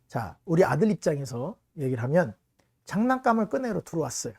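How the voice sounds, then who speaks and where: A man's voice: a little high, darkish tone, no room sound, studio quality. A middle-aged man, a pastor, preaching a sermon, telling a family story and speaking straight to his congregation. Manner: storytelling, addresses the congregation directly.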